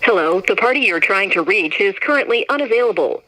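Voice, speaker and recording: A recorded phone menu message reading options in an even, clearly spaced scripted announcement. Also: mid-range voice, brisk, low-quality recording. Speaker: automated phone greeting.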